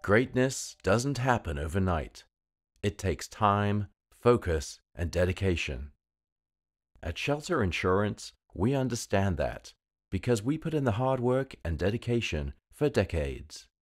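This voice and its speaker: Low-pitched British man reading commercials. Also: big pitch swings, unhurried. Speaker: voice-over artist. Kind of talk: polished commercial voice-over.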